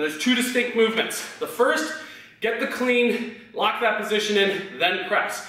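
Raising and projecting his voice, a man speaks in an energetic tone at an extremely high pitch and moderate pace, with ordinary pitch variation and audible room echo. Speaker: fitness instructor. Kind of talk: guided home workout tutorial, coaching through reps. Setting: home workout video. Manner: energetic, motivating, counting reps aloud with clear cues. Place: empty room.

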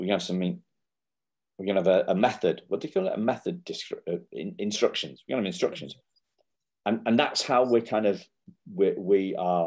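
Talking at a fairly quick pace, a man with a northeast English accent leaves long, frequent pauses. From northeast England. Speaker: podcast host. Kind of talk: casual interview conversation.

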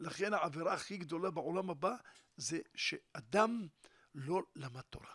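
A man's voice in a dry, close sound with no echo. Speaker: rabbi. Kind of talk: sermon. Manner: animated.

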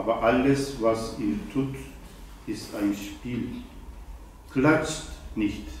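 A man with a Turkish accent speaks at a very slow pace with ordinary pitch variation and long, frequent pauses. Audible room echo and light background noise are present. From eastern Anatolia, Turkey. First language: Zaza (speaking German). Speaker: poet. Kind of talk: poetry reading; author talk. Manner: halting. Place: bar. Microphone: camera far.

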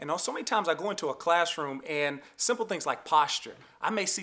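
A man talks at a fairly quick pace in a high pitch. His tone is animated and energetic, with lively intonation. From US South, Louisiana. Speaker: music educator, band teacher. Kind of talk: tutorial. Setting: studio. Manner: animated, energetic. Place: stage.

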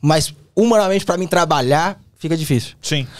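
A man's lively intonation comes through against a quiet background. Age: 20s. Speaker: lawyer and law lecturer; lawyer, law lecturer. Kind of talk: casual interview. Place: studio. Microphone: studio mic.

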